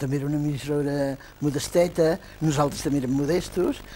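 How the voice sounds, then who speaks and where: A woman speaks with a very deep, low pitch and a dark, mellow tone. Her intonation is monotone and flat. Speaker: first radio announcer, retired radio broadcaster. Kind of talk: TV interview answer. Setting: television studio.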